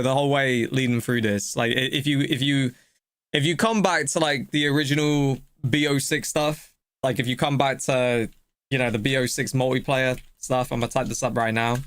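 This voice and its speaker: Excited guy streamer rambling, restarting lines, dry close sound. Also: medium pitch, no echo. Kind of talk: live stream reaction.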